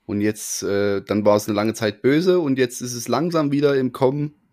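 A man co-hosts a relaxed podcast interview. His voice sits at an ordinary middle pitch, and his manner is playful and full of jokes. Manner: playful, joking, quick to laugh. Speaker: podcast co-host. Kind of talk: casual interview chat.

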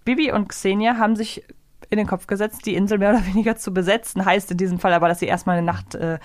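A woman's voice: medium pitch, fairly even intonation, fast, dry recording, studio quality. A woman co-hosting a podcast, talking casually and reflectively in long, winding clauses. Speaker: podcast co-host. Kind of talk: casual discussion of an audio drama.

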